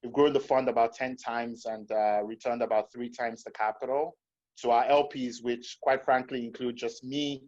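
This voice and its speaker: A man from Nigeria in his thirties, telling his story on a video call in a steady, measured way. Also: mid-range voice. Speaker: startup founder and investor. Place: indoors, home room. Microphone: laptop mic on video call. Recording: muffled video call audio.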